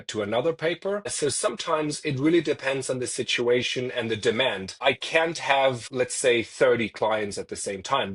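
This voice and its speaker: Man, 30s, from Denmark, husky mid-pitched voice, journalist guest who thinks aloud and restarts phrases. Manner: thoughtful, frequent restarts, repeats words while searching for phrasing. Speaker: freelance journalist, podcast guest. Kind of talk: conversational interview answers.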